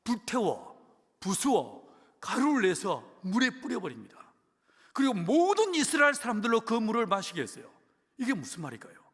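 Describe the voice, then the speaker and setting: A man with a Gyeongsang accent preaching a sermon, telling the story in a lively, colloquial, humorous way. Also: high voice, normal speed, slightly rough. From Gyeongsang, Korea. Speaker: pastor. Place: church sanctuary. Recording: long church hall reverb.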